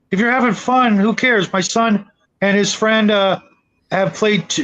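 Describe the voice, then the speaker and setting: A man's voice: sits high, fairly bright tone, highs cut off. A middle-aged man hosting a casual livestream chat. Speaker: show host.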